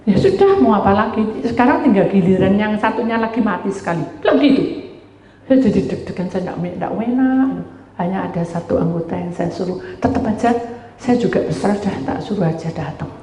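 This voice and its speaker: A woman's voice: mid-range voice, fairly quick. A middle-aged woman pastor telling a story in a sermon, acting out voices and calling out to the congregation. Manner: animated, acts out dialogue, addresses congregation as "saudara". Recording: roomy hall, voice from far off.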